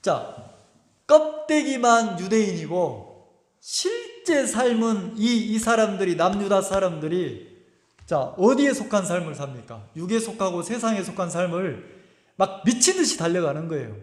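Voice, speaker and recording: A man's voice: high voice, sing-song, unhurried. Male pastor, sermon, emphatic rhetorical questions, long hall reverb, roomy sound. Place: church sanctuary.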